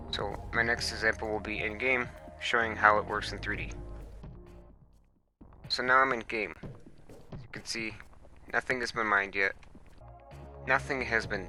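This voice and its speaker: A man at a moderate pace, with long, frequent pauses and music in the background. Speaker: game developer. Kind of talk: tutorial explanation.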